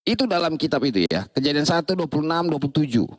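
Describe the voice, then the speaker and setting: A man's voice: fairly high pitch, big pitch swings, quick pace, dry recording. A man in a heated online religious debate, preaching and quoting scripture while talking over others.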